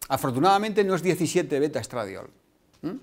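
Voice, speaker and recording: The man's voice rises and falls in very wide pitch swings. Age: 60s. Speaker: doctor. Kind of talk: lecture. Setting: stage with audience. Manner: halting. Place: hall.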